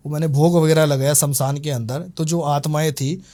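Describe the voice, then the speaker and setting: Man telling a spirit encounter, fairly high voice. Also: brisk. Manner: animated retelling, voices other people's lines. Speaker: exorcist recounting a case. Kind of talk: storytelling interview.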